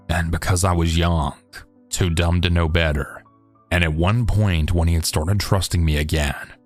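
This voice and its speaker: A man reading a listener's true story aloud in a steady, measured storytelling voice. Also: low-pitched. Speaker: narrator.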